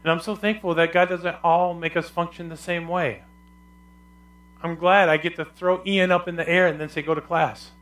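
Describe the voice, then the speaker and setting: A male pastor preaching a sermon with a loud, carrying voice and emphatic, repetitive phrasing. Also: a little high, little pitch movement, moderate pace.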